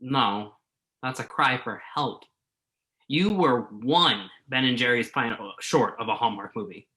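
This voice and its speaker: A man's voice: medium pitch, unhurried, sharp tone. A man acting the part of an earnest, wordy, self-doubting journalist in a staged play reading. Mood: earnest, apologetic. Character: remorseful male entertainment journalist, self-doubting, argumentative, earnest.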